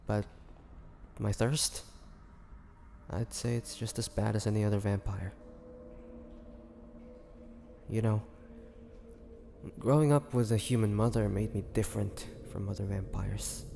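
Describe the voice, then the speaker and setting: A man playing a melancholy half-vampire, confiding his past slowly and haltingly in a dramatic audio roleplay monologue. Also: lowish voice, steady tone, gravelly, mellow. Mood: wry, reflective. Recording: long reverberant hall, faint noise.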